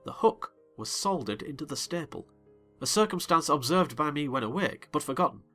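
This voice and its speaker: A man narrating a dramatized audiobook in a bright, forceful voice that sits slightly high. He reads theatrically and swells into excited outbursts in the dialogue, with faint music underneath. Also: normal speed.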